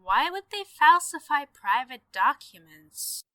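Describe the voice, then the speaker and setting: A woman's voice: sits high, big pitch swings, a little slow, sharp tone, dry recording, exaggerated voice. A woman playing a cautious, sceptical time traveller in an audio drama, precise and firm.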